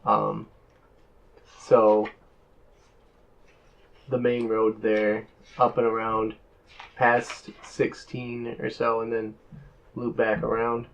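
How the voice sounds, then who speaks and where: A man playing a tabletop game, asking questions and planning his character's moves out loud. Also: medium pitch, completely flat delivery, drawn-out words, creaky, long pauses, a little hiss or hum, poor audio. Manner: questioning, plans aloud in character's terms. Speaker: player.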